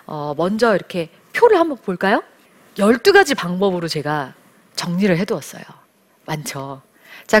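A woman giving gentle devotional teaching on prayer, earnest and sometimes dropping to a soft whisper for emphasis. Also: fairly low pitch.

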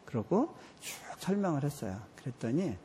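Man preaching in an earnest, heartfelt storytelling manner, a touch high in pitch, with a long echo from a large hall. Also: big pitch swings, moderate pace, warm tone, slight background noise. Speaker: missionary preacher. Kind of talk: sermon with personal story. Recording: reverberant hall.

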